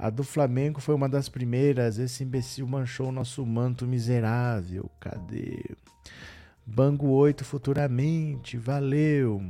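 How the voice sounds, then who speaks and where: The tone is dark and mellow. Delivery is fairly slow, with fairly even intonation. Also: man, medium pitch for a man. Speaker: political commentator streamer. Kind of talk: live stream commentary. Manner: casual, conversational.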